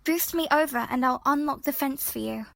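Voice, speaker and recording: A woman's voice: high voice, normal speed, creaky, a bit bright, no room sound, studio quality. A woman playing an anxious but bossy young heist partner in an audio drama, with an urgent, slightly flustered manner. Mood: wary, dry.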